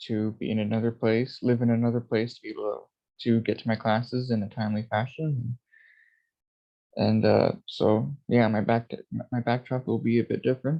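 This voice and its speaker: A man with a plain, everyday voice speaks at a moderate pace and a medium pitch with fairly even intonation. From Canada. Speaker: university student, book reviewer. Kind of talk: casual talk to camera.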